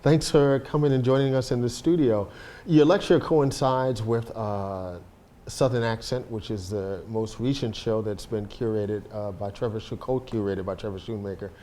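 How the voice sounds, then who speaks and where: Male host, low mellow voice, studio interview, measured questions, slight background hiss. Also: fairly even intonation. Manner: measured questions with frequent fillers. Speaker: podcast host.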